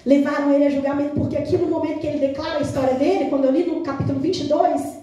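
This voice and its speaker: High-voiced Brazilian woman preaching in an echoey church. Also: rapid-fire, soft background music. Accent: Brazilian Portuguese. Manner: animated storytelling, acting out quoted dialogue. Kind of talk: sermon. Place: church hall. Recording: very echoey church hall, mic at a distance.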